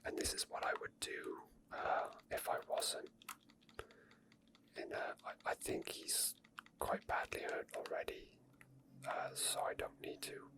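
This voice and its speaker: A gaming streamer speaks entirely in a soft, breathy whisper. The delivery is ASMR gameplay commentary, walking the listener through each action as it is done. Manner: explains each step as it is done. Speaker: video game streamer.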